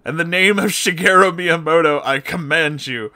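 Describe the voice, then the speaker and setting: Man acting a forceful, declamatory exorcist. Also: normal speed. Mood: righteous fervour. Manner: declamatory, forceful, booming commands. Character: stern male exorcist, commanding and theatrically solemn.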